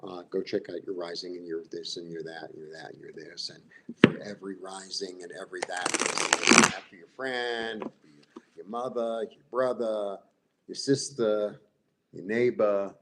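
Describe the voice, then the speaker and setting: Heavy background noise surrounds this tarot reader, a Brooklyn Jewish-accented man with a low, steady voice at normal speed. In his live reading he rambles, goes over the same points, and keeps checking with viewers by asking "right?"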